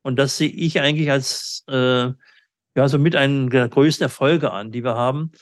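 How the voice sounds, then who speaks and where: A middle-aged man answering business interview questions reflectively, often pausing in mid-sentence as he talks. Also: mid-range voice, steady tone, dry recording, studio quality. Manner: halting, with frequent pauses mid-sentence. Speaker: interviewee, company owner and sales agent.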